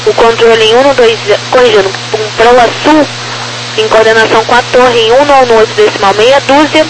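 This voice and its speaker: Crackly radio, high-voiced Brazilian woman controller. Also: steady tone, moderate pace. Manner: procedural, reading figures digit by digit. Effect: crackly aviation radio. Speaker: air traffic controller. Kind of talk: clipped air traffic radio phraseology. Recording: noisy, crackly aviation radio transmission.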